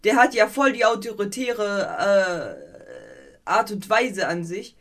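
A woman co-hosting a podcast in casual chat, animated and rambling, with many fillers and a playfully mocking edge. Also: mid-range voice, takes it slowly. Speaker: podcast co-host.

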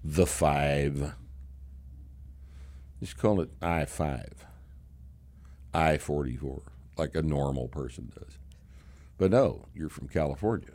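A man with a slight Texas accent hosting a casual podcast, talking in a gruff, profane, sarcastic way. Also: extremely low pitch. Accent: Texan. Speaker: podcast host, strength coach.

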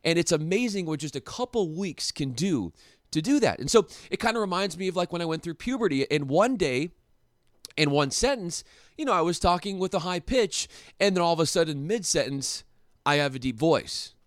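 A young man hosting a solo sports podcast, talking in an animated, excitable way with frequent restarts and rhetorical questions. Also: on the high side, normal speed, dry recording, clean studio sound. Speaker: podcast host.

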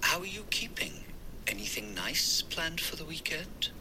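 An actor playing a chatty older father who drops to a hush when telling stories. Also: a little high, big pitch swings, a little slow, slight background noise, full character voice. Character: genial older father, fond of trivia.

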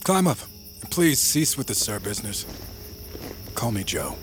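A commanding, formal sorcerer. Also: male voice, fairly low pitch, big pitch swings, moderate pace, a little hiss or hum. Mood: warm. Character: imposing bearded freeman sorcerer, calm, formal.

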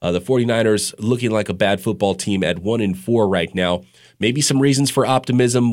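A man hosting a sports podcast in casual talk, a bit stuffed up from a cold, candid and blunt. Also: fairly low pitch. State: stuffed up, a little sick. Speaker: podcast host.

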